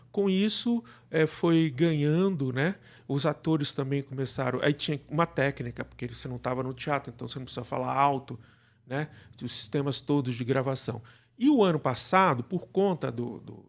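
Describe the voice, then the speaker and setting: A man's voice: a little high, creaky. A man with a Brazilian Portuguese accent explaining things conversationally as an interview guest, often adding short tag questions. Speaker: guest, radio drama producer.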